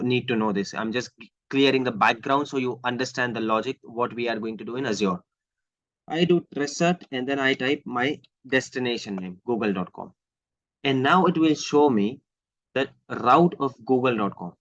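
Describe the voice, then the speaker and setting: A man's voice: mid-range voice, a bit bright, dry recording. Indian guy doing an online IT class, repeats himself step by step, bit mumbly, dry dull mic. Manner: explains step by step, repeating phrases, mixing Hindi into English. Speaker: IT trainer. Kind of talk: live online technical lesson with screen share. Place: online screen-share session. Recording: dull, lo-fi close microphone audio.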